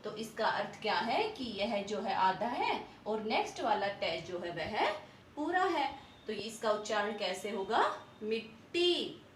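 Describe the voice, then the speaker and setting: A woman's voice: mid-range voice, very animated, a little hiss or hum. A woman teacher explaining spelling and pronunciation, asking questions and answering them herself, drawing out the words she models. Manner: slow, drawn-out model pronunciations. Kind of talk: Hindi spelling and pronunciation lesson. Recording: echoey room, voice from a distance.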